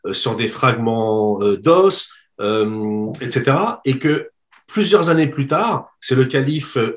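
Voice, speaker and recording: A man hosting an interview, quoting the guest's book and rephrasing as he builds long questions. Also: medium pitch. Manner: quotes the book, rephrases as he asks. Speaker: interview host.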